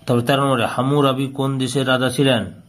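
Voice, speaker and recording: A man's voice: medium pitch, flat delivery, quick pace. A man teaching by reading out questions and answers, repeating phrases as if dictating. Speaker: history teacher solving an exam paper.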